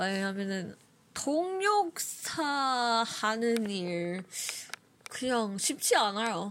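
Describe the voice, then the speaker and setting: Speaking at a very slow pace, a woman uses a fairly high pitch and lively intonation while noticeable background noise runs behind her. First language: not Korean (learner) (speaking Korean). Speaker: Korean learner vlogger. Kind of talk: casual monologue to viewers. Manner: halting, many fillers.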